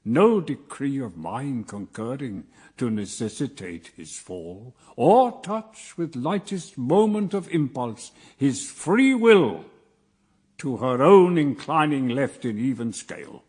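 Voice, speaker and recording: An actor playing God the Father, a solemn almighty judge, stately and declamatory with a husky voice, in verse radio drama. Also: medium pitch, very animated, slow, darkish tone, heavily acted. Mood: stern, judging. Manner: stately, pronouncing, grandly declamatory.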